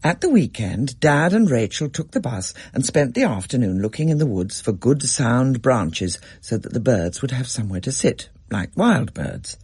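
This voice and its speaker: A man narrating a story in a measured, expressive reading. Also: medium pitch, husky, no echo.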